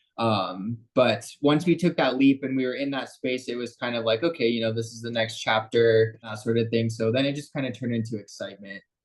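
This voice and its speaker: A man with an American accent and an unremarkable speaking voice talks at a medium pitch with ordinary pitch variation and hardly any pauses. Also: fairly quick pace. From Denver, Colorado. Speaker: tattoo artist. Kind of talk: interview.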